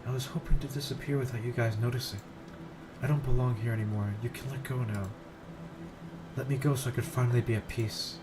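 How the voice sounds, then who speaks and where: Guy putting on a hopeless teen schoolgirl, pleading, pitched up a bit, noisy background. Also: fairly even intonation, a little fast, lightly acted. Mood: hushed despair. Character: despairing teenage schoolgirl on a rooftop ledge.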